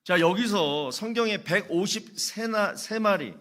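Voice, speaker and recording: A man's voice: sits high, expressive, measured pace, fairly bright tone. A middle-aged male pastor preaching a sermon, asking rhetorical questions and telling humorous anecdotes.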